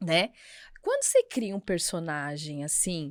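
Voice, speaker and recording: Recorded very cleanly against a silent background, a woman speaks at a fairly low pitch. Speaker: podcast host. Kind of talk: podcast interview questions. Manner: upbeat.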